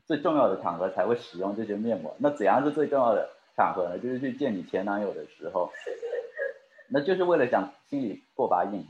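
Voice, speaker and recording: A man's voice: on the low side, a little mellow. A man preaching a sermon and talking straight to his congregation, asking them questions and drawing them in. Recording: roomy, dull lo-fi recording.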